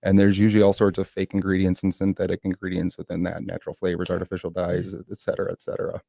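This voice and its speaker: A man with a very deep, gravelly voice talks fast and earnestly as a guest on a radio show, explaining at length. His tone is dark and mellow. The sound is dry and close. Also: monotone, no room sound. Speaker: health food store owner, guest. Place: radio studio.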